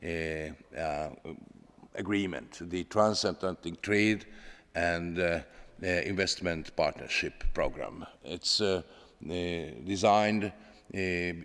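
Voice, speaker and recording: Deep-voiced, halting Hungarian man in echoey hall. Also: fairly bright tone. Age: 50s. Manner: halting, hesitant with many pauses. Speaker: panel speaker answering questions. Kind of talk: formal question-and-answer speech. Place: large parliament chamber. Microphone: gooseneck desk microphone. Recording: echoey large hall, long reverb.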